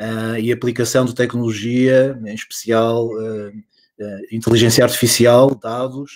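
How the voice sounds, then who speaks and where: With a European Portuguese accent, a man of medium pitch speaks at a fairly slow pace in a flat monotone. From Portugal. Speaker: venture capital investor. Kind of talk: panel discussion.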